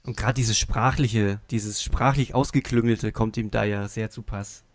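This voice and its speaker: A man's voice: on the low side, fairly even intonation, moderate pace. A man chatting casually as a panelist on a podcast about audio dramas. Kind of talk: casual chat.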